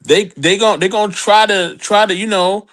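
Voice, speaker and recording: A man with a notably high voice for a man joins a lively panel discussion. He teases the others and presses his point insistently, repeating the same phrases over and over. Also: normal speed.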